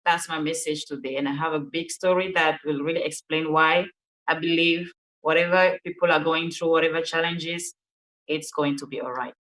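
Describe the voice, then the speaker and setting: A woman's voice: low-pitched, steady tone, normal speed, fairly bright tone, low-quality recording. A young woman from Cameroon with a French accent, French her first language, earnestly telling her personal story as an interview guest. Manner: earnest, repeats herself for emphasis. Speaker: guest, energy healer and coach.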